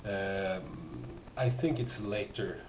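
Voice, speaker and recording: Slow, low-voiced man, distant roomy recording. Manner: hesitant, rambling, thinking aloud. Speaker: record collector presenting his finds. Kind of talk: casual unscripted show-and-tell. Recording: roomy, distant, muffled, noisy home recording.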